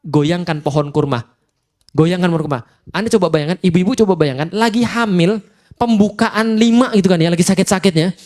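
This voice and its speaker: A man giving a casual Islamic lecture, telling stories with jokes, acting out dialogue and reciting Quran verses slowly. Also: high-pitched. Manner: animated storytelling, acts out dialogue with jokes. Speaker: preacher.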